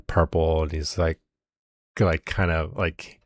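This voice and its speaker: A man narrating as game master in a tabletop game, halting with many fillers. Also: extremely low pitch, flat delivery, no echo, studio quality.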